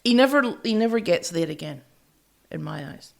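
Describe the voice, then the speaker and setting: A woman co-hosting a music podcast, chatting casually in a measured way as she weighs both sides. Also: on the low side, expressive, gravelly.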